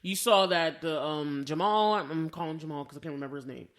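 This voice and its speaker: An American woman speaks very quickly in a casual, chatty film review. She is an animated co-host who slips into quoted reactions as she tells a story. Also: low-pitched. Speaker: podcast co-host.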